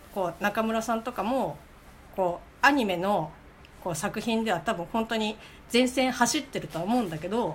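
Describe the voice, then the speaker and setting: A moderately paced, somewhat breathy female voice, fairly high in pitch, with lively intonation. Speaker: podcast co-host. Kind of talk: casual chat.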